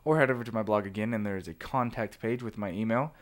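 A man with a fairly low voice presents a software tutorial. He talks casually and informally, walking through each step as he goes. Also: quick pace.

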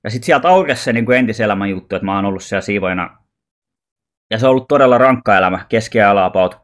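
A man telling a personal story in a loose, rambling vlog monologue, informal and often swearing. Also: lowish voice. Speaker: vlogger.

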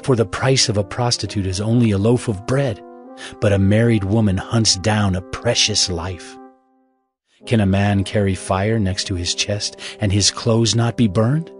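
A man's voice: fairly low pitch, steady tone, unhurried. Solemn male scripture narrator over music. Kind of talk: dramatized scripture reading.

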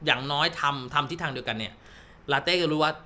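A man working as a dog trainer, talking owners through a lesson at their home in an animated way and sometimes speaking the dog's thoughts aloud. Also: medium pitch. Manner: animated, quick explanatory chatter that voices the dog's thoughts. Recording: echoey room with faint noise.

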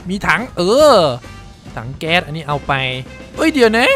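A man giving casual gameplay commentary, excitable, swearing freely and exclaiming as he plays. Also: high-pitched, moderate pace, soft background music. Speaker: gameplay streamer.

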